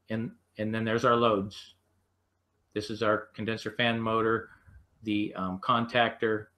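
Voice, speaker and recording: A man with an American accent lecturing unscripted as a technical instructor, explaining step by step in halting phrases. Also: fairly low pitch, a bit bright. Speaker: HVAC instructor.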